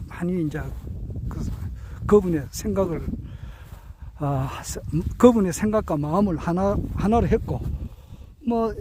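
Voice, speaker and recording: A man in his sixties giving a reflective spoken talk, earnest and hesitant, with many drawn-out fillers and self-corrections. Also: sits high, darkish tone, a little hiss or hum, poor audio. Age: 60s. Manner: earnest, self-correcting while counting out years. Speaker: speaker sharing reflections on his teachers.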